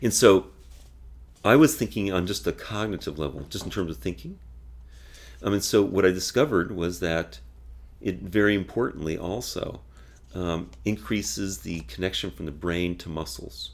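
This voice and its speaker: A man with a very deep, low pitch and vocal fry speaks at a moderate pace. His pitch swings very widely, broken by long, frequent pauses. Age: 60s. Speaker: nutrition educator and clinician. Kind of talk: interview. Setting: in-person recording. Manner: halting, many fillers and repetitions.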